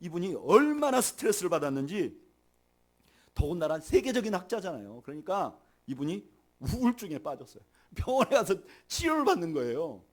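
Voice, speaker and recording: A middle-aged man preaching a sermon as pastor, rising loud on key points and dropping soft, and leading the congregation in reading aloud. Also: high-pitched, very animated, fairly quick.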